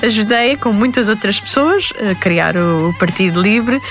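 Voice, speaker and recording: A woman tells her story at length as an interview guest, lively and often laughing. Her voice sits at a middle pitch for a woman. Faint music plays underneath. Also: normal speed. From Lebanon. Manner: animated storyteller, laughs often, restarts words. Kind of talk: conversational interview.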